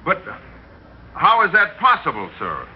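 A man's voice: high voice, huge pitch swings, measured pace, breathy edge, full character voice. A man playing an eager reporter. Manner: eager questioning. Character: eager male news reporter. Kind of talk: vintage radio drama. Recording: dull old radio recording with faint noise.

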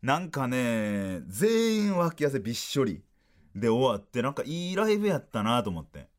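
This man speaks with a Kansai accent and tells his story as an easygoing podcast monologue. His pitch swoops high and low all the time, which makes him sound animated. His voice sits at an ordinary male middle pitch. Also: normal speed. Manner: animated, sing-song delivery with swooping pitch. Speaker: podcast host, comedian.

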